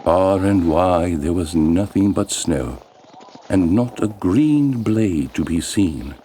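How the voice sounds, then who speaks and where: A man narrating a bedtime fairy tale as a storyteller, in a measured, expressive and deliberate way. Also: low voice, slight background noise.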